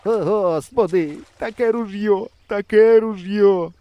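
A man reading a storybook, voicing a fussy grown-up hunter who drawls his words slowly. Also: high-pitched, no echo, muffled recording, voice pushed up. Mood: lamenting.

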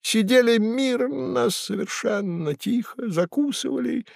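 A man voicing a jittery, theatrical male demon sidekick who speaks in a shrill, agitated voice. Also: measured pace, vocal fry, a little mellow, no echo, studio quality, full character voice. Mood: frantic.

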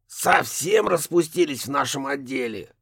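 A man doing a gravelly, hoarse ghost of a witch-hunter. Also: medium pitch, expressive, unhurried, a bit bright, no echo, studio quality, voice pushed up, exaggerated voice. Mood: scolding. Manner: barking, mocking. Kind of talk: audiobook character voice.

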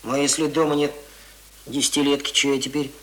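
An actor playing a sensible, stubborn teenage schoolboy who talks in a matter-of-fact, mildly mocking way in a radio play. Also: male voice, medium pitch, level tone, a little fast, a bit bright, close to an everyday voice, low-quality recording. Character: schoolboy lodger, sensible, stubborn, teasing future surgeon.

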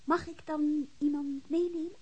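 An actress playing a cheeky, teasing young student daughter in a radio drama, playful and probing. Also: female voice, sits high, steady tone, a little slow, warm tone, low-quality recording. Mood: playful, coy. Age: young adult. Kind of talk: Dutch radio drama dialogue.

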